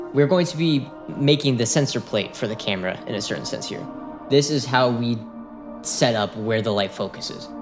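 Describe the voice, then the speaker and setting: Music plays in the background. A man talks at medium pitch. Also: lively intonation, moderate pace. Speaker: 3D graphics artist. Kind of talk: screen-recorded software tutorial narration.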